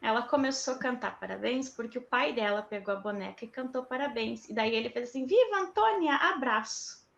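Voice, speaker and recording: A woman's voice: fairly high pitch, quick pace, creaky, hardly any pauses. A woman, a mother of autistic twins, chatting casually on a video call from her home toy room and acting out her children's words. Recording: dull echoey home room.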